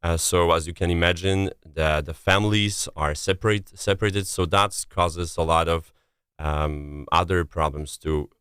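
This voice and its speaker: A man from Poland with a thick Polish accent, answering interview questions carefully and haltingly as he searches for words. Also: low voice, steady tone, fairly bright tone, clean tone, no room sound, clean studio sound. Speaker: interview guest, relief coordinator.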